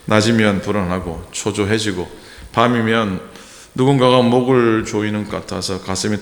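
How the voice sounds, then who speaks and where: A man from Gyeongsang preaches to his congregation, his low voice carrying a long, ringing reverb. He builds to earnest emphasis and stops now and then on hesitant fillers, recorded in a roomy church sanctuary. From Gyeongsang, South Korea. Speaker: pastor. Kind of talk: sermon. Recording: echoey church hall.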